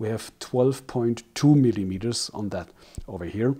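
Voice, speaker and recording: A man with a non-native accent talks at a moderate pace, using a medium pitch and ordinary pitch variation. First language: not English. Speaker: tech reviewer. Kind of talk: product review. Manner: halting, many fillers.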